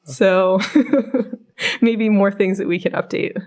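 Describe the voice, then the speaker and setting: A woman's voice: medium pitch, fairly even intonation, slow, a little mellow. A woman co-hosting a podcast in casual, informal chat, often dropping "like" into her sentences. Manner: informal, frequent "like". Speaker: podcast co-host.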